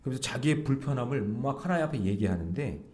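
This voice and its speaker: A middle-aged male pastor giving an early-morning sermon in a lively, conversational way, acting out bits of dialogue as he preaches in a church. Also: mid-range voice, fast. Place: church sanctuary.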